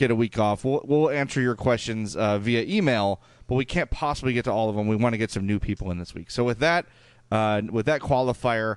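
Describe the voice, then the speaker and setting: Against a quiet background, a man with an American accent and an ordinary speaking voice talks at a fairly quick pace, with medium pitch and ordinary pitch variation. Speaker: podcast host. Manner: conversational, upbeat.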